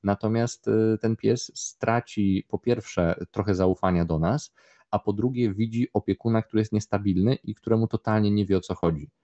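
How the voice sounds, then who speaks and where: A man's voice: lowish voice, moderate pace, mellow, muffled recording. A man, a dog trainer, explaining at length in a podcast conversation, with many fillers and restarts.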